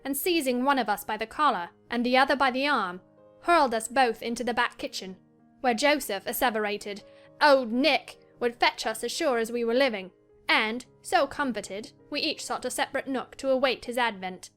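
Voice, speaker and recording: A woman as a spirited, high-voiced young diarist, quick to outrage. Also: soft background music, natural voice. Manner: lively, indignant first-person storytelling. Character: headstrong young girl writing her diary. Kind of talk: dramatized audiobook reading.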